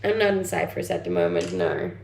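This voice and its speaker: Lively, creaky-voiced young Danish woman streamer. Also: very deep voice, fairly quick. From Denmark. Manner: informal, conversational. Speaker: livestream host, content creator. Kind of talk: casual livestream chat, reading and answering viewer comments. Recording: roomy echo, faint background noise.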